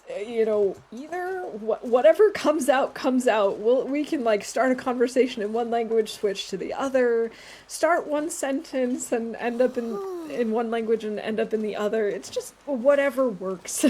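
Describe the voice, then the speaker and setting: A woman streams a game, chatting casually, answering her chat and laughing often as she talks. A native English speaker, she has a slightly high, somewhat mellow voice, with a little hiss or hum in the recording.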